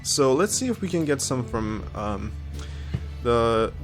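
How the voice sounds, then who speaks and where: Slow-paced and full of big pitch swings, a medium-voiced man provides casual let's-play commentary with faint music behind him. Sniffly from a cold, he reads out game text and thinks aloud, peppering it with ums.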